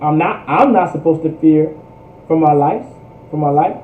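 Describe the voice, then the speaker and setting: A man's voice: a little high, normal speed, narrow, tinny audio. A man teaching in a fervent preaching style, emphatic, with repetitive, rhetorical phrasing. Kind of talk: fervent religious history teaching. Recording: echoey room, distant microphone.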